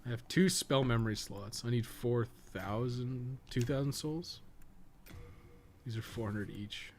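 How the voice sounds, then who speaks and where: A young man streams a game and talks through it live, thinking aloud in a rambling, mildly sweary style. His voice is medium in pitch, unhurried and a little mellow, and there's noticeable background noise in the recording.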